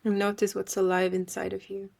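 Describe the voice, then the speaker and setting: Woman doing a guided meditation, gentle and slow-going, mid-pitched voice, lots of pauses. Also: completely flat delivery, vocal fry. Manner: gentle, unhurried, with long pauses.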